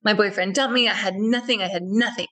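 A woman's voice: mid-range voice, fairly even intonation, fast talker, fairly bright tone, low-quality recording. A woman guest in a radio interview who tells a personal story earnestly and reflectively, often repeating phrases.

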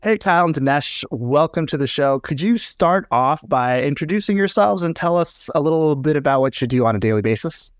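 A man's voice: a little high, expressive, fairly quick, few pauses, dry recording, faint music behind. A man hosting a podcast, welcoming guests and asking friendly questions. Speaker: podcast host. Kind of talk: interview questions.

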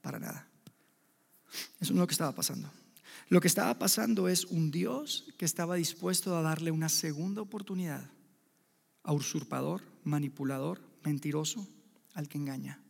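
A male preacher with a high, gravelly voice delivers a sermon to his listeners as friends. He swings from loud emphatic bursts to hushed, near-whispered lines. The sound carries a long reverb from a large hall. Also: normal speed. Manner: addresses listeners directly as friends.

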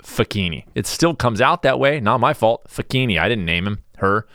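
A man's voice: on the low side, animated, moderate pace, a bit bright, dry recording, clean studio sound. A man hosting a solo podcast, talking in a sarcastic, exasperated, rambling way. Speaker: podcast host. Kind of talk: casual solo podcast rant.

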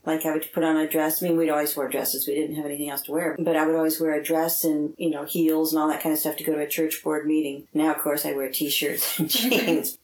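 A woman's voice: deep voice, little pitch movement, brisk, darkish tone, reverberant, rough recording. A woman in her seventies giving reflective answers in an interview. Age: 70s. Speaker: interviewee, lay church member.

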